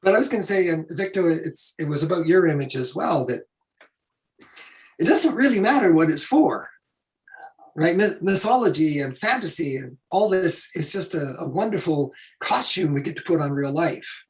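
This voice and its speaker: A man illustrator telling stories on a panel, hoarse and losing his voice, speaking casually. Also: fairly high pitch, lively intonation, moderate pace, rough recording.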